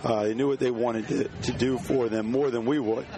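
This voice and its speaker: A hoarse man, a home builder, answering interview questions on site with many restarts and fillers. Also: medium pitch, steady tone, moderate pace, crowd noise.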